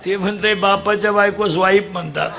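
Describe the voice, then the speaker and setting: A man leading a comic devotional kirtan, teasing the crowd and quizzing children, urging them to answer loudly. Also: sits high, steady tone, a little fast, gravelly. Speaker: kirtan preacher. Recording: live crowd with faint noise.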